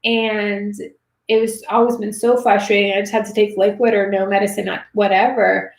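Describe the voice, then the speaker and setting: A woman in her thirties hosting a casual livestream, chatting and reading viewer comments, her voice going raspy. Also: mid-range voice, little pitch movement, moderate pace. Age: 30s. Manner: chatty, reads viewer comments, many fillers. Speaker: livestream host answering money questions. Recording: roomy echo.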